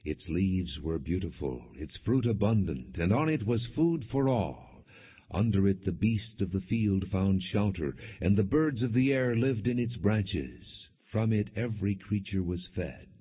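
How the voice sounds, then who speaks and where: A man with a low, slightly rough-edged voice narrates scripture in a measured and solemn way. He reads from a script without dramatizing it. The recording sounds narrow and muffled. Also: animated. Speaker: audiobook narrator. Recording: dull, muffled lo-fi audio.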